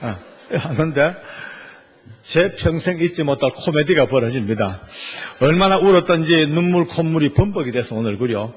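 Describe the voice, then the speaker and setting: A middle-aged man preaches in a church, telling his story with lively, animated energy. His voice sits a little high for a man and has a husky, breathy edge. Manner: animated storytelling with Gyeongsang dialect. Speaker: church elder and prison official preaching. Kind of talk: sermon testimony. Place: church sanctuary.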